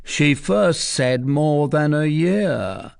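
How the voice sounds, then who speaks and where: A man's voice: fairly high pitch, lively intonation, drawn-out words, vocal fry, voice pushed up, full character voice. A man voicing an eager, self-satisfied soldier pointing out evidence. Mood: pointed.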